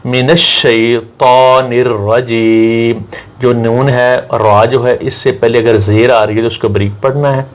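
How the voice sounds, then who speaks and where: A male Quran reading teacher who drills letter sounds in slow, repeated chants and explains pronunciation. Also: mid-range voice, steady tone, a little mellow. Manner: recites Arabic verses slowly in a melodic chant. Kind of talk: slow drilled recitation lesson.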